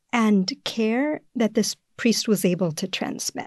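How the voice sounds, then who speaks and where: A woman's fairly high voice with an American accent, lively in intonation, at a very slow pace, against a quiet background. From Mexico City, then California border and Texas. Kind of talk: casual chat.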